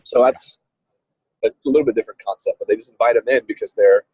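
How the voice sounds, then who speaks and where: A man's voice: fairly low pitch, fast talker, warm tone, slightly rough, no echo. A man talking casually on a car speakerphone while driving, a ministry coach who explains with a rambling manner and many restarts. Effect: car speakerphone on a call. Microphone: phone on a video call. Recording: dull, lo-fi call audio.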